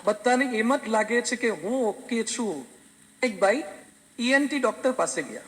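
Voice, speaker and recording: A man, a swami, giving a sermon full of homely anecdotes and gentle humor. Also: extremely high pitch, lively intonation, unhurried, long reverb tail, slight background noise. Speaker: swami preacher.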